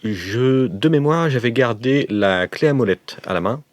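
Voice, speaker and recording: A man's voice: mid-range voice, expressive, a little slow, dry recording. A man playing a tabletop game, chatting casually and joking playfully. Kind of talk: casual improvised game banter.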